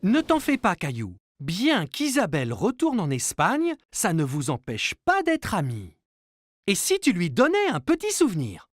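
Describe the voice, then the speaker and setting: Very animated, patient cartoon mother. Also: on the low side, a little slow, no echo, clean studio sound, exaggerated voice. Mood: reassuring. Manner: patient, explaining. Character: reassuring, patient mother of a young boy. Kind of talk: children's cartoon dialogue.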